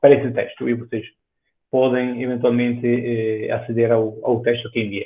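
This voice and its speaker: In a European Portuguese accent, a man talks at a moderate pace and medium pitch with monotone, flat intonation. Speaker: philosophy professor. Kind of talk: lecture. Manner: halting, many hesitations.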